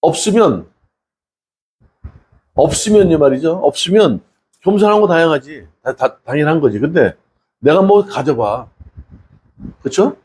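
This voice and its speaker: A man's voice: a little high, lively intonation, measured pace, long pauses, a little mellow, husky. A male pastor giving a conversational sermon, asking the congregation many rhetorical questions and acting out the people in his stories. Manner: acts out quoted people in a casual spoken tone.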